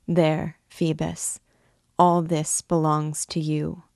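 A woman's voice: sits low, level tone, takes it slowly, gravelly, a little mellow, no echo, studio quality, heavily acted. A woman playing an impassioned, pleading young gypsy girl. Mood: adoring, desperate. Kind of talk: dramatised audiobook reading of a classic novel.

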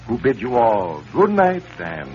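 A man announcing on a 1930s radio show, with a smooth, emphatic sales delivery and a recap of the story. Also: medium pitch, huge pitch swings, unhurried, darkish tone. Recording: old lo-fi radio transcription with hiss.

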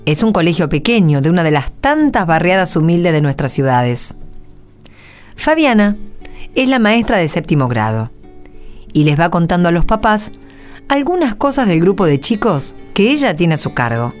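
A woman's voice: on the low side, sing-song, normal speed, faint music behind. A woman reading scripted narration for a radio drama.

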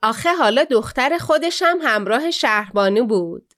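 A woman narrating a children's story in Persian, lively and acting out the characters' voices. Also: a little high.

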